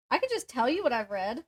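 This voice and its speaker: A young woman with a fairly high voice talks casually about books as a podcast co-host. She giggles easily, pokes fun at herself and slips between chatting and reading aloud. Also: husky. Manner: giggly, self-deprecating. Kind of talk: casual book chat with synopses read aloud.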